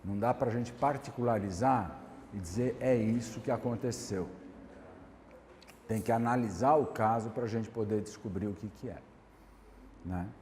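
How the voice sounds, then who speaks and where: Mellow-voiced Brazilian pastor in an echoey hall. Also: male voice, fairly low pitch. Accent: Brazilian Portuguese. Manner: measured, repeats points, asks "tá certo?". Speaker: pastor and lecturer answering questions. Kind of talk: classroom Q&A answer. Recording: echoey hall, light background hiss.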